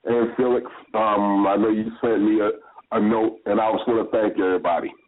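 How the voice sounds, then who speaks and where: A man's voice: fairly low pitch, steady tone, a little fast. A man co-hosting a podcast in loose, rambling casual chat, heard over a speakerphone line. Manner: loose, rambling, repeats phrases. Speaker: podcast co-host. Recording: tinny phone-line sound.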